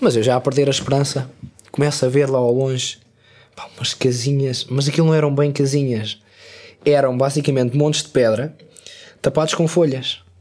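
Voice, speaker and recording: A man speaks with a European Portuguese accent, his pitch fairly high and his intonation monotone and flat. He keeps a moderate pace broken by long, frequent pauses. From Portugal. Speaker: traveller. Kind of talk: casual chat.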